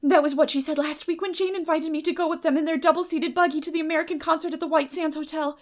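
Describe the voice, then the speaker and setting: A woman's voice: high-pitched, fairly even intonation, fast, pitched above the performer's own voice, lightly acted. A woman voicing a dreamy, effusive young schoolgirl in an audiobook, breathless, earnest and gushing. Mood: anxious, earnest. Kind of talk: dramatic audiobook character reading.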